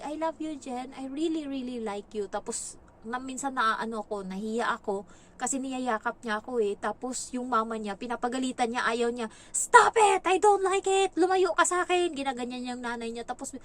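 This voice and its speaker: A woman from the Philippines, a domestic helper, casually telling a story in a vlog and turning higher and louder when she quotes people. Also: slight background noise. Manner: animated retelling, jumps higher and louder when quoting others.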